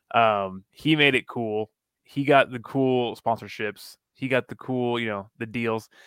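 A man's normal speaking voice, a normal speaking voice at medium pitch with an American accent, fairly slow and fairly even in intonation. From northern Missouri. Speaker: sports podcast co-host. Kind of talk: casual chat.

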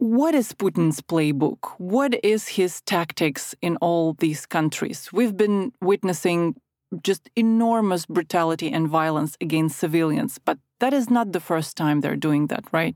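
A woman with a Ukrainian accent, fairly low pitch, lively intonation and a fairly slow pace. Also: very clean recording, silent background. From Ukraine. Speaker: podcast host and journalist. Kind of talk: interview; casual chat.

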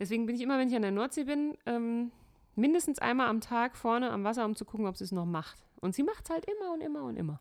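Very fast, a woman talks at a fairly high pitch with very wide pitch swings. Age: 40s. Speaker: podcast co-host. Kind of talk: casual chat.

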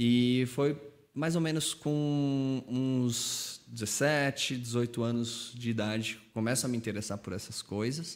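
In a very clean recording with a silent background, a man speaks very slowly at a medium pitch with fairly even intonation. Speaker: theologian and missionary. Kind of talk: podcast interview. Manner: halting, repeats words.

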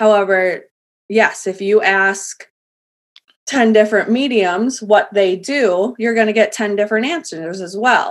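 With a normal speaking voice, a woman talks at a fairly slow pace, her pitch fairly high and its variation ordinary. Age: 30s. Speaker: healer and medium. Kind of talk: casual interview chat.

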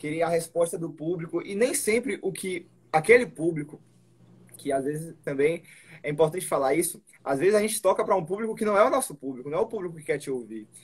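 A man speaks at a very fast pace in a high voice. His intonation is lively. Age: 20s. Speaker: singer. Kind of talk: casual chat.

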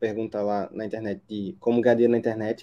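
Moving at a fairly quick pace, a man speaks in a medium pitch with a dark, mellow tone. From Brazil, Pernambuco (Carpina). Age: 20s. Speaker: student web designer. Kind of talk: casual interview. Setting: live stream video call.

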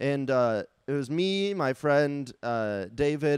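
A man's voice at a medium pitch, with an American accent. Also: dry, close sound with no echo. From US Midwest, small-town Iowa. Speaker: comedian. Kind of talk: casual chat.

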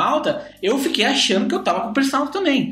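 Amid noticeable background noise and audible room echo, a man talks very fast with very wide pitch swings. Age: 30s. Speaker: software developer. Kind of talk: casual chat.

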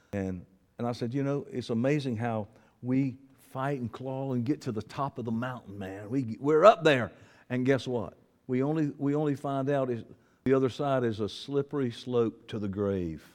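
A man with a Southern US accent at a medium pitch and moderate pace, with ordinary pitch variation and a quiet background. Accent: US South. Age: 60s. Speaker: preacher. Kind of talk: sermon. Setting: church.

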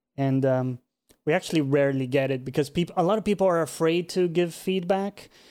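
With a normal speaking voice, a man moves along at a fairly quick pace. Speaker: podcast host and streamer. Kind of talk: casual interview. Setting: video call. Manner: casual.

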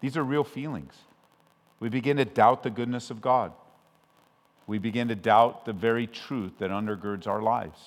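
With an American accent, a man speaks at a fairly low pitch with ordinary pitch variation. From Southern California. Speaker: pastor. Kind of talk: sermon. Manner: loud.

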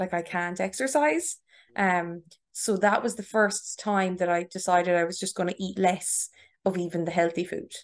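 A woman with an Irish accent, medium-pitched, at a moderate pace with fairly even intonation against a quiet background. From Ireland, Tipperary. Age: 20s. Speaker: online fitness coach and student. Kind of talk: personal testimony in casual interview.

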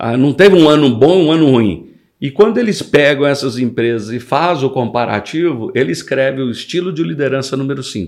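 With a plain, everyday voice, a man talks at a moderate pace and medium pitch, using lively intonation and hardly any pauses. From Brazil, Belo Horizonte (Minas Gerais). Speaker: pastor and radio host on leadership. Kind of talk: casual interview.

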